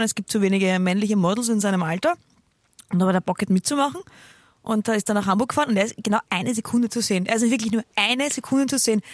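A woman, co-hosting a casual chat and telling an animated, teasing story. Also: on the high side, no room sound.

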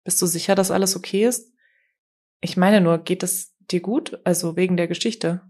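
A woman's voice: fairly low pitch, steady tone, normal speed, darkish tone, close to an everyday voice. A woman voicing an eager, pushy young man who coaxes his friend out to party. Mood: insistent.

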